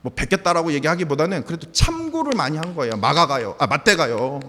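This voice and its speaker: A man in his forties delivers a sermon in a church sanctuary. His voice sits high and ranges widely as he pushes rhetorical questions at the congregation. A long reverb trails each phrase. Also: sing-song, quick pace, pushed and bright, slight background noise. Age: 40s. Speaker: pastor.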